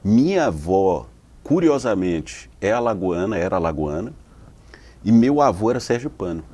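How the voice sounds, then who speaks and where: Guest researcher, Bahian accent, very low voice, measured academic explainer. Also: male voice, big pitch swings, dark tone, husky. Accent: Bahian Portuguese. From Salvador, Bahia, Brazil. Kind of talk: interview answers.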